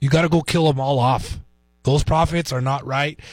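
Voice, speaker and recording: The man's voice is somewhat breathy, with medium pitch and ordinary pitch variation. He speaks at a moderate pace on a very clean recording with a silent background. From New Mexico. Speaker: sports media relations director and podcaster. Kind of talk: casual interview chat.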